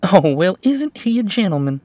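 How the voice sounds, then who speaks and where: A woman's voice: low-pitched, unhurried, a little mellow, no echo. Chatty, coy female front-desk clerk, acted by a woman, polite service patter, audio roleplay, dry sound. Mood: coy cheerful.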